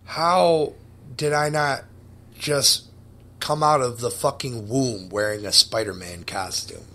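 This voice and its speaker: Slow, bright-voiced excited young man. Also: medium pitch. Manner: excited, profane, building enthusiasm. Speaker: podcast host. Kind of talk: casual podcast storytelling.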